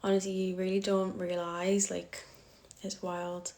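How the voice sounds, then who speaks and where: A woman's voice: medium pitch, completely flat delivery, a little slow, darkish tone. A young woman from Cumbria speaks in a broad Cumbrian accent, talking casually into her phone on a live stream. She reads viewers' comments aloud and answers them bluntly, laughing easily, with a matter-of-fact, dismissive edge toward her critics. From Cumbria, England.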